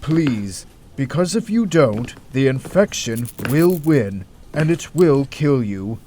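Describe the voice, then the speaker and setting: An actor playing an earnest, overworked hospital doctor in an audio drama, articulate and patient with some exasperation. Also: male voice, mid-range voice, big pitch swings, slow pace, dark tone, a little hiss or hum. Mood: patient, pleading.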